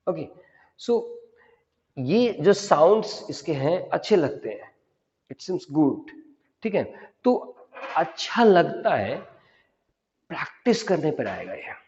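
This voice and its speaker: A man's voice: on the high side, very animated, takes it slowly, long pauses, darkish tone, in a large hall, lo-fi sound. A man teaching a spoken English lesson, explaining step by step and drilling phrases aloud.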